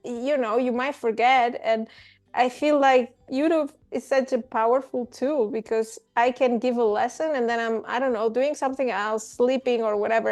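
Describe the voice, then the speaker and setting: A woman hosting an interview about language learning, friendly and animated, chatting casually with her guest. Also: a little high. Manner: friendly, animated, laughs easily. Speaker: host.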